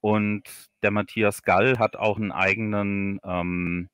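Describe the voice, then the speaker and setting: Lower-voiced man, halting interview guest. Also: flat delivery, a bit bright, smooth, dry recording. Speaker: guest, audio drama author. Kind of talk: casual interview chat.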